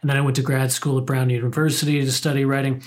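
A man's voice: medium pitch, level tone, fast talker. A man guest, a playwright and poet, speaking thoughtfully in a casual interview, with frequent hesitations and restarts.

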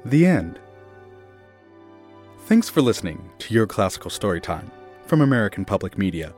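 A male storyteller with a mid-pitched voice that rises and falls in lively swings. He reads a children's tale in scripted narration and slows down for drama. Faint classical music plays under his words. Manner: expressive, slowing down for drama. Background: soft classical music.

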